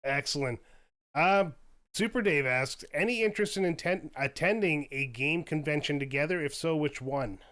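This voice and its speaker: A Canadian man hosting a podcast, chatting casually and reading listener questions aloud with a joking, relaxed manner. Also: a little high, normal speed. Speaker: podcast host.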